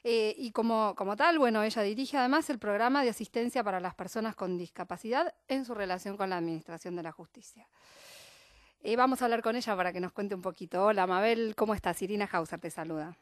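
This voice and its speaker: A woman's voice: mid-range voice, fast talker, no echo, studio quality. Argentine woman radio interviewer. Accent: Argentine Spanish. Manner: friendly, introducing and asking questions. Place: radio studio.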